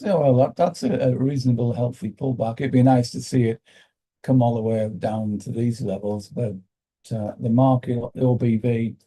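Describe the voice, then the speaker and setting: Croaky British male trading host, very dark and husky, muses aloud with many fillers. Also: medium pitch, rough recording. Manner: thinking aloud, halting with fillers. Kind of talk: live trading commentary.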